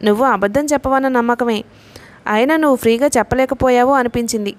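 A woman reading a novel aloud, voicing a lively young woman who teases her friends. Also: on the high side, fast, close to an everyday voice. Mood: teasing. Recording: audiobook narration.

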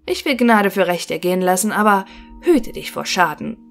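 A woman's voice: mid-range voice, lively intonation, normal speed, gravelly, faint music behind. A woman voicing a confident young male craftsman in a fairy-tale audiobook, speaking boldly and boastfully.

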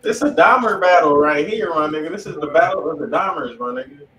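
Higher-voiced American man, echoey and distant. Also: expressive, fairly quick. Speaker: co-host of music review stream. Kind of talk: casual slangy banter. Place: home studio room, indoors. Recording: echoey, distant, slightly noisy room.

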